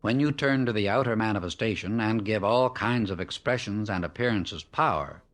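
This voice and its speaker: In a somewhat low voice, an audiobook reader narrates a scripted spiritual discourse. His delivery is grave and deliberate, stressing each short phrase as he sets it out.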